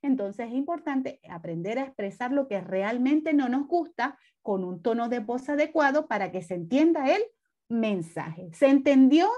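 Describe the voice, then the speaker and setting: A woman's voice: a little high, animated, moderate pace, dark tone, muffled recording. A woman, a teacher giving an online religion class to children and explaining with repeated examples over a video call.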